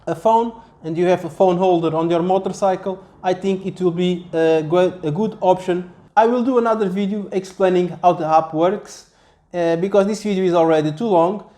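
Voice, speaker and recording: A man. He explains things step by step as a product reviewer, casual and somewhat halting in his delivery. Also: high voice, steady tone, dark tone. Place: small office, indoors.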